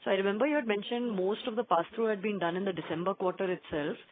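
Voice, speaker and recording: A woman analyst puts polite questions on a conference call. She talks quickly, and the line is thin like a telephone. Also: medium pitch. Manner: polite, addresses executive as sir. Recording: narrow phone line.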